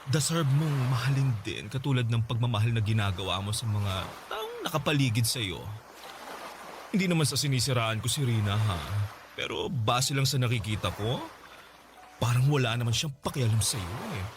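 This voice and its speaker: A man's voice: mid-range voice, lively intonation, normal speed, background noise, lightly acted. An actor playing a wealthy older gay man, smug and manipulative, in a radio drama, with a teasing, sing-song delivery. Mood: coaxing.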